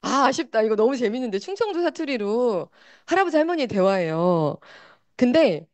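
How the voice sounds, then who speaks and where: A woman giving a motivational sales seminar talk, animated and constantly turning to the audience with rhetorical questions. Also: on the high side, moderate pace, dry recording. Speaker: business seminar presenter.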